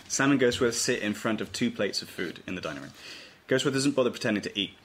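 A man's voice: medium pitch, animated, fast talker, fairly bright tone. A man reading stage directions as narrator in a scripted table read. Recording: noisy informal room recording.

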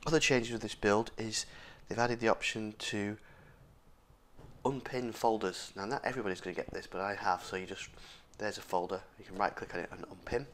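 In a casual screen-recorded tech walkthrough, the host sounds hoarse and scratchy from a sore throat, leaning on fillers and restarts. His voice is fairly low and fairly bright, brisk, with fairly even intonation.

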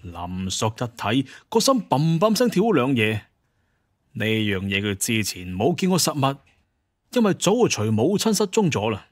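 Medium-pitched male storyteller. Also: big pitch swings, moderate pace, no echo, clean studio sound. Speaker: narrator. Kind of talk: dramatic storytelling narration.

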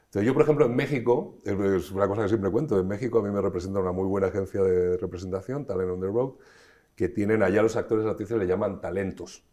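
A middle-aged man from Spain with a very low voice talks as a guest in an interview. He tells his stories in an expansive, animated way, often restarting his phrases. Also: fast. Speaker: actor, guest. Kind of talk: conversational interview.

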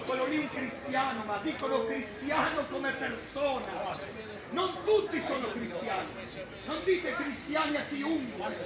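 A middle-aged man preaching loudly on a busy town street, declaiming and gesturing, filmed from a distance by a camera. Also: very high-pitched. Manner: loud, declaiming, gesturing with a Bible. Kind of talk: open-air street preaching. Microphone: far camera. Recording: echoey street with crowd noise. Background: crowd and passers-by.

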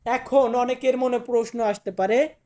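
Brief: male language teacher, slow drilling delivery, self-questioning, repetitive. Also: very high-pitched, fairly even intonation, darkish tone. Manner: repeats each word, asks and answers own questions. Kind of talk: Italian alphabet lesson in Bengali.

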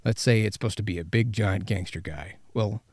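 A man in his thirties, a professional voice actor, gives informal voice acting tips to the camera in a conversational way. His voice is lowish, a little fast, and a little mellow, with no echo. He records on a studio condenser mic with a pop filter inside a small padded vocal booth.

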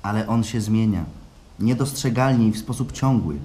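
Guy playing tired thoughtful client in radio drama, mellow dark voice, reserved, slight noise behind. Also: on the low side, normal speed, close to an everyday voice. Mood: reflective. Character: weary, reflective male client, quietly bitter and polite. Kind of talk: radio play acting. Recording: faint background noise, live stage.

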